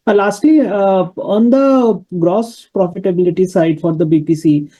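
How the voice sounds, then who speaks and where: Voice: medium pitch, normal speed, mellow. A financial analyst asking questions on an earnings call, heard through dull conference call audio.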